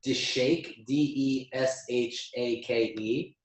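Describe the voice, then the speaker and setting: Man, New Jersey accent, casual explaining, panelist, medium pitch, roomy echo. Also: level tone, slow pace. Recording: echoey room.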